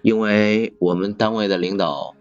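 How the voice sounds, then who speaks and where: A man in casual chat, talking haltingly and often repeating his phrases. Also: fairly low pitch, fairly even intonation, no room sound. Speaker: podcast speaker, factory assembly worker. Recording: slightly dull, music behind. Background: music.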